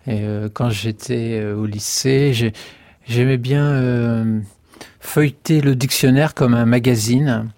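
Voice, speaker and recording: Poet guy on the radio, talks slow and halting, dry close sound. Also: mid-range voice, fairly even intonation, a little mellow, dry recording. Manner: halting, thoughtful, repeats words. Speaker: guest poet. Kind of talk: radio interview.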